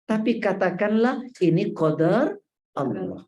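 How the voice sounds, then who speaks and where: A middle-aged man preaching to a women's congregation in a mosque hall, animated and joking, often putting questions straight to his listeners. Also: high-pitched, measured pace. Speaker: Islamic preacher.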